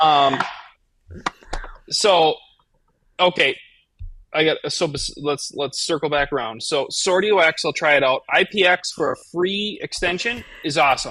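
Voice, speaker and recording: In a Minnesota accent, a man speaks fairly slowly in a high voice with a bright, sharp tone, ordinary pitch variation and long, frequent pauses. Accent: Minnesota accent, self-described. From Missouri Ozarks. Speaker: online influencer. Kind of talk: casual chat. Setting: live stream.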